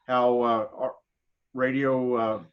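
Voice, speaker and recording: An American man giving an informal slide presentation, speaking haltingly with frequent pauses mid-sentence. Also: medium pitch, flat delivery, clear, resonant tone. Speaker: guest presenter. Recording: dull, lo-fi video call audio.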